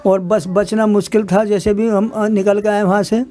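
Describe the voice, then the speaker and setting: A man's voice: high-pitched, little pitch movement, normal speed, dark tone. A man, interviewed in the street, giving an urgent, rambling account. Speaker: riot victim interviewee.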